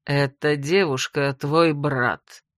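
Woman putting on a deep velvety sarcastic nobleman. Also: steady tone, normal speed, fairly bright tone, dry recording, studio quality. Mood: contemptuous. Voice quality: low velvety voice. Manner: biting, sarcastic. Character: sardonic deep-voiced young nobleman, older brother.

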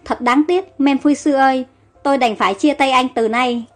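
A woman's voice: high-pitched, normal speed, faint music behind, close to an everyday voice. A woman voicing a heartbroken young queen of ancient Egypt, tearful and despairing.

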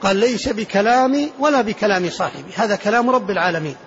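A man teaching as a sheikh, explaining a classical creed text in a religious lecture, speaking deliberately and repeating key phrases for emphasis. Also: high-pitched, fairly bright tone. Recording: muffled lo-fi lecture recording.

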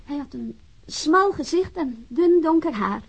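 A guarded female witness in a radio play, with a high voice. She is hesitant, evasive and coolly polite, on a slightly muffled lo-fi recording. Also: lively intonation, measured pace. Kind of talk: radio drama acting. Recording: dull lo-fi radio drama recording.

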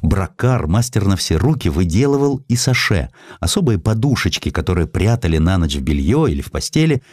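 A man narrating a historical sketch for a radio production, with an expressive, varied storytelling delivery on a close studio mic. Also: low-pitched, no room sound.

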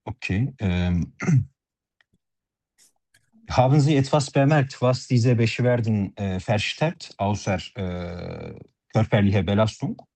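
Mellow-voiced man, formal and polite. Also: fairly low pitch, slow pace, vocal fry, pauses often. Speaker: doctor taking a patient history. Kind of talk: role-played doctor-patient practice talk.

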